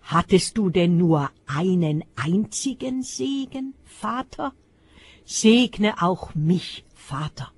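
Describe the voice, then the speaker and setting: A bitter, wronged elder son from a scripture story, pleading, as the reader puts him on. The delivery is slow and husky, with a dry, close sound. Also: medium pitch, expressive, dry recording, full character voice.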